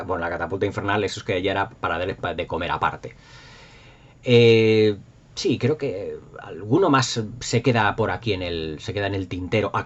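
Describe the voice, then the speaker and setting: A middle-aged man with an accent from Spain, chatting casually and nostalgically to viewers in an enthusiastic, rambling, emphatic way. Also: lowish voice. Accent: Spanish from Spain. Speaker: YouTube host. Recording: dull lo-fi sound.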